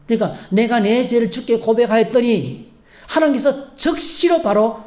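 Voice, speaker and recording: A man's voice: very high voice, lively intonation, normal speed, darkish tone. A male pastor preaching a sermon, acting out short prayers and leading the congregation in call-and-response. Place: church sanctuary. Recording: echoey church hall.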